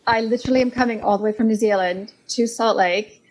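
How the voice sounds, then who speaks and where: A woman's voice: a little high, fairly even intonation, fast talker, darkish tone, rough recording. A middle-aged Canadian woman with a Canadian accent, a clinician guest on a podcast, explaining medical research in an earnest, detailed way. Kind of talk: podcast interview over a call.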